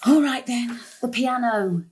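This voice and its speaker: A woman playing a brisk, long-suffering middle-aged mother in an audio drama, prim and organising. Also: fairly high pitch, darkish tone, slightly rough. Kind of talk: stage-thriller audio drama acting.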